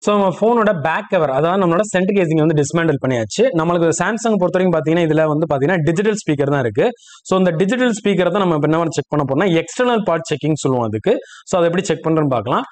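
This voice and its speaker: A man's voice: on the high side, lively intonation, rapid-fire. A man giving a step-by-step spoken tutorial as a repair instructor, explaining and checking understanding with short questions. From India.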